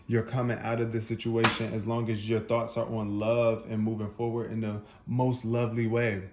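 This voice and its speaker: A man giving an animated, spontaneous tarot reading, talking straight to his viewers and laughing often. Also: on the low side, moderate pace, noisy background. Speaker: tarot reader.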